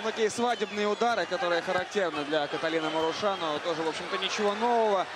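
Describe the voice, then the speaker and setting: A man's voice: sits high, quick pace. A man giving analytical live commentary on a fight. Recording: loud crowd and noise behind voice. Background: loud arena crowd.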